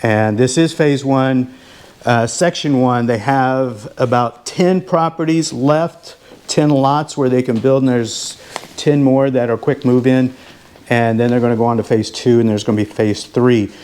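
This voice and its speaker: A man presenting a home tour as a real estate advisor, talking informally and directly to viewers with a sales pitch. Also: steady tone, a little slow, a little mellow, smooth. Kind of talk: casual home tour vlog, sales talk. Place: inside a model home.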